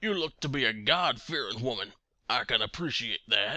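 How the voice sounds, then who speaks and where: A raspy, put-on character voice with lively intonation moves at a moderate pace, recorded dry and close with no echo against a quiet background. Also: man, fairly high pitch for a man. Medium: read story. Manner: rambling, bragging.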